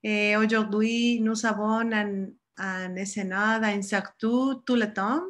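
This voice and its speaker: Slow, careful Mexican woman. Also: medium pitch, fairly even intonation. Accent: Mexican Spanish. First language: Spanish. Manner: careful, halting, searching for words. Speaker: guest speaker, doctoral researcher. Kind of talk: academic presentation. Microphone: online video call.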